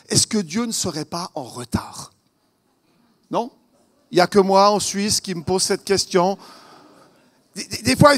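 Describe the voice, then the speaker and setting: High-voiced Swiss preacher from Vaud. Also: male voice. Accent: Swiss French (Vaud). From Vaud, Switzerland. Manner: earnest, asks the audience questions, swings between loud stress and hushed lines. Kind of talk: sermon. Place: church conference.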